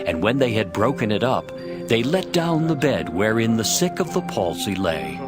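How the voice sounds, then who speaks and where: A man's voice: fairly low pitch, very animated, moderate pace. A man narrating a dramatized scripture reading from a script. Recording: music behind the voice.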